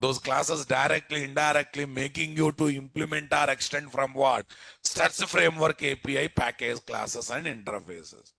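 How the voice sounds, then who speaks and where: A man with a Telugu Indian accent gives an informal programming lecture, frequently tossing rhetorical check questions at his listeners. His voice is medium-pitched with vocal fry and a sharp tone, delivered at a moderate pace in a dry setting with no room sound.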